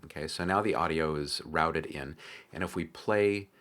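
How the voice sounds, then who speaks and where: A man hosting a casual software tutorial, explaining things informally with frequent hesitations. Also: very deep voice, normal speed. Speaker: tutorial host.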